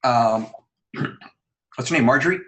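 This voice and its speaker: A man's voice: medium pitch, unhurried, pushed and bright. A man on a panel giving casual advice in an encouraging, reassuring manner.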